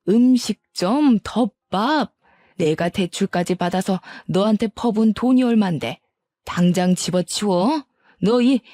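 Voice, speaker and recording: Woman narrator as bossy older mother-in-law, low mellow voice, scolding harshly. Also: no echo, clean studio sound, close to an everyday voice. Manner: shrill scolding, harsh insults.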